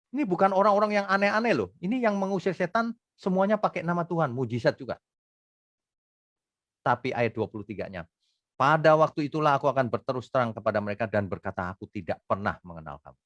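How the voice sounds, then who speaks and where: A man's voice: medium pitch, no room sound. Middle-aged male pastor, emphatic sermon delivery, dry close sound. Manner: emphatic, swings between loud bursts and quiet asides. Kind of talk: expository sermon.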